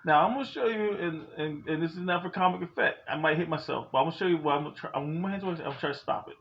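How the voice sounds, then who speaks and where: A man's voice: on the high side, fast talker, creaky, a bit bright, lo-fi sound, slight background noise. A man in his forties talking at home, candid and joking but earnest as he gives advice. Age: 40s. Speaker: vlogger. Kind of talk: casual talk to camera.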